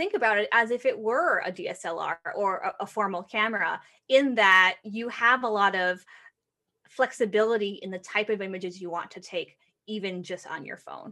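A woman speaks at medium pitch with a bright, sharp tone and ordinary pitch variation. Her moderate pace comes through on a very clean recording with a silent background. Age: 30s. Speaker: photographer and author. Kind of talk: interview.

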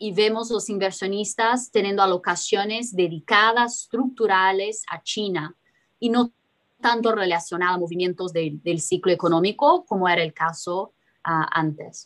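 In a Portuguese accent, the speaker keeps a moderate pace with ordinary pitch variation. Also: woman, medium pitch for a woman. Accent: Portuguese-accented Spanish (portuñol). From Brazil. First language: Portuguese (speaking Spanish). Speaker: investment strategist. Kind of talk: interview.

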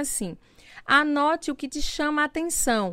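This recording is very clean, with a silent background. The speaker is a woman. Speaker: speech therapist and vocal coach podcast host. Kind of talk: solo educational podcast monologue. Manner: warmed-up, controlled voice.

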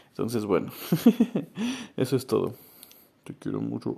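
This man's voice has a dark, mellow tone. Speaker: podcast host. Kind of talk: casual monologue. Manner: pitch rises when excited.

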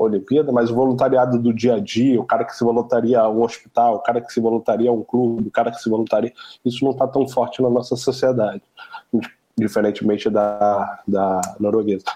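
At a fairly quick pace, a man talks in a medium pitch with a plain, everyday voice. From Brazil, Rio de Janeiro. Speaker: podcast co-host. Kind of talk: casual chat.

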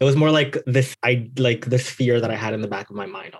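A man with an American accent, a normal speaking voice, medium pitch and ordinary pitch variation. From Florida, Orlando and Miami. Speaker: memoir author. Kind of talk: interview.

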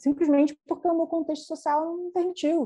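This woman's voice has a dark, mellow tone. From Brazil, Recife, raised in Rio de Janeiro. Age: 30s. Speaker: diversity and inclusion education company CEO. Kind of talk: interview. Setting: livestream.

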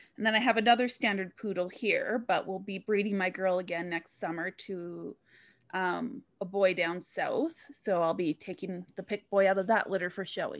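A woman speaks at a moderate pace with a Canadian accent, medium pitch and ordinary pitch variation, in an unremarkable speaking voice. The recording is very clean, with a silent background. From Canada (Vancouver, BC). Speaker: author and publisher. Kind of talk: casual interview chat.

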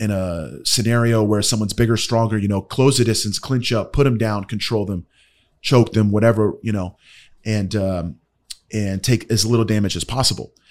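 A man with an American accent at a fairly low pitch, moderate pace and ordinary pitch variation, in a very clean recording with a silent background. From Oklahoma (born Cincinnati, Ohio). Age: 40s. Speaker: martial arts champion and instructor. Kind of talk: casual interview. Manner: hesitant with many fillers.

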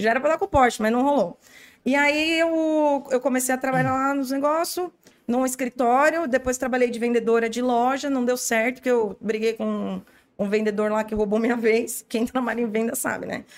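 Her voice high in pitch, a woman speaks with ordinary pitch variation. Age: 30s. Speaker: partner at a car repair shop. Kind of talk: casual chat. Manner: fast; animated.

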